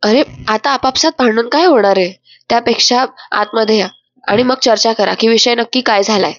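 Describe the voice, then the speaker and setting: A woman voicing an elderly family patriarch who calmly advises the family, read plainly in a narrated serial recap. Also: fairly high pitch, no room sound, lightly acted. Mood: advising. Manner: measured, advising. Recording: dry, slightly dull voice-over.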